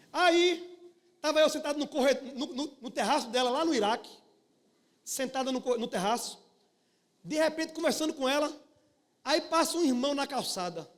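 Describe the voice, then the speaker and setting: A male preacher, delivering a sermon in church. His voice is very high for a man, and he tells stories in a folksy, animated way, often turning to the congregation. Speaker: pastor. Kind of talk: live sermon with storytelling.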